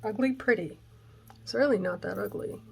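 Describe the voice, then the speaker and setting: Raspy gravelly lady talking thru her craft project at home, mutters and whispers as she works. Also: medium pitch, normal speed, darkish tone, a little hiss or hum. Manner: chatty, thinking aloud while working, drops to whispers. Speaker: craft channel host. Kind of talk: casual craft tutorial chat. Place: home craft room on a gray day. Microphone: camera mic, moves close and away while working.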